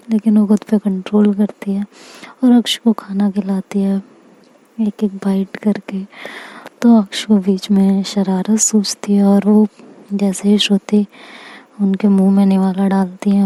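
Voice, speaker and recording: A woman narrating a serialized love story in a soft, intimate way, sometimes close to a whisper. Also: medium pitch, poor audio.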